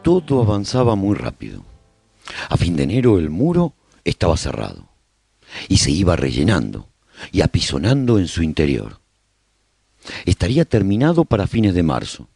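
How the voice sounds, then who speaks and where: A man's voice: low-pitched, huge pitch swings, normal speed, gravelly, a little mellow, husky, no echo, studio quality. A man with a Spanish accent narrating a radio serial in the first person, telling the story as a survivor speaking to listeners.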